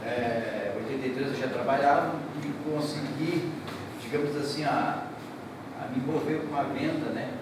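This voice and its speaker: A man's voice: medium pitch, normal speed. A middle-aged man from southern Brazil gives an emotional, repetitive speech at a ceremony, speaking from the heart and gesturing broadly. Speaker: real estate broker giving a speech. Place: large indoor hall. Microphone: distant room mic. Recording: echoey hall, distant mic, noisy.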